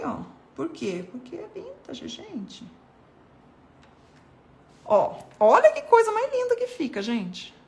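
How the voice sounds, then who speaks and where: A woman's voice: on the high side, vocal fry. Chatty woman teaching watercolor. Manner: chatty, addresses viewers as "gente", points things out while painting. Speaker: art devotional host. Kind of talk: casual watercolor painting tutorial.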